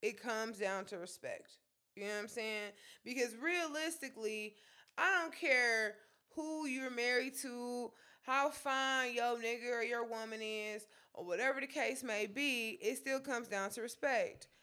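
A woman with co-hosts a casual talk show, blunt, profane and animated. Her voice sits high and has a sharp, bright edge. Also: a little slow, clean tone. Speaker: podcast co-host. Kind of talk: casual chat.

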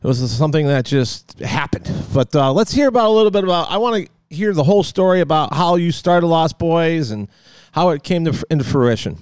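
American male podcast host, clear dry voice, informal halting chat with repeated words. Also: on the high side, animated, darkish tone, no room sound. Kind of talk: casual chat and interviewing.

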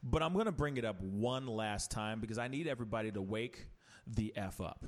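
A man's voice: lowish voice, expressive, a little fast. A man hosting a casual podcast chat, ranting animatedly with rhetorical questions and many restarts. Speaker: podcast host.

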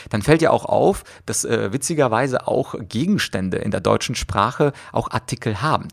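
A man hosts a podcast, talking through his topic in a calm, explanatory monologue. His voice sits low and sounds gravelly, and he pauses often with small hesitations. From Russia. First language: Russian. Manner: thoughtful, many hesitations with "äh". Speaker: podcast host.

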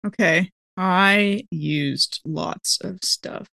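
A woman's voice: lowish voice, extremely slow, creaky, bright, forceful tone, dry recording. Dry-recorded woman chatting at a game. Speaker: tabletop game player. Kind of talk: casual game table chat.

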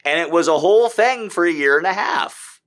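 Man with a lively, profane delivery. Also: high-pitched, a little fast. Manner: profane, animated, sarcastic. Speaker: comedian. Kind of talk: comedic rant.

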